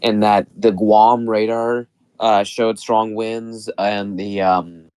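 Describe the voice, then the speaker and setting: A man guest on a live weather stream, a little raspy from being sick, explaining storm data steadily. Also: on the low side, flat delivery, slow pace, darkish tone.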